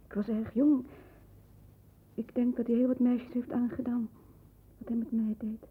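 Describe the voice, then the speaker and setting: An actress playing a frightened, devoted young woman in a 1960s radio play, breathy, hushed and anguished, on a muffled old recording. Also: fairly high pitch, level tone, a little slow. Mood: anguished pleading. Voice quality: breathy, husky.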